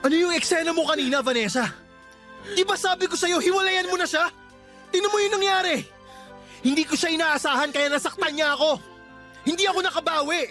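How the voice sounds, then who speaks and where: High-voiced young male lover. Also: fairly quick, long pauses. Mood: upset, insistent. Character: attentive young male secret lover, pleading and insistent. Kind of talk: Tagalog radio drama acting. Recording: soft music bed underneath.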